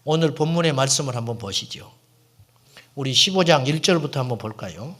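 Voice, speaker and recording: A middle-aged male pastor preaching a sermon to his congregation, asking questions and answering them himself, and sometimes dropping to a hushed whisper for emphasis. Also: mid-range voice, animated, brisk. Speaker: senior pastor.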